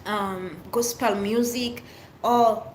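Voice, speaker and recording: A woman's voice: fairly high pitch, steady tone, slow, a little mellow, slight background noise. A middle-aged woman from Haiti with a French accent, chatting openly and earnestly on a livestream, answering viewers in short, restarting phrases. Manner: open, earnest, speaks in short fragments with restarts. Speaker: livestream host.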